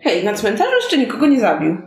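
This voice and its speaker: A woman's voice: medium pitch, very animated, quick pace, darkish tone. A woman chatting as a player in a fantasy tabletop game. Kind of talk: role-play and chat in tabletop game. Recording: roomy, clear background music.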